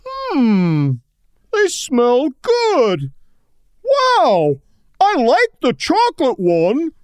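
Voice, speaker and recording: A woman's voice: sits high, huge pitch swings, extremely slow, no room sound, studio quality, full character voice. Woman doing a stammering cowardly demon king. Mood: whiny. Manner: stammering and whiny. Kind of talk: storybook character voice.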